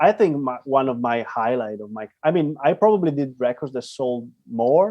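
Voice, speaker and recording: With an Italian accent, a man speaks at a medium pitch with lively intonation. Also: moderate pace, big swings in loudness. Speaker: guitarist and producer. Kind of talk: interview. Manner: halting, many restarts.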